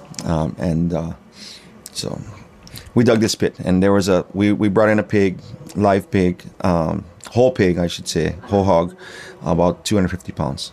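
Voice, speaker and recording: A speaker with a Hawaiian accent talks at a fairly slow pace, leaving long, frequent pauses. The intonation stays fairly even over noticeable background noise. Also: man, very deep, low pitch for a man. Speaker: chef and cultural practitioner. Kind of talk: interview. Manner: halting, many fillers.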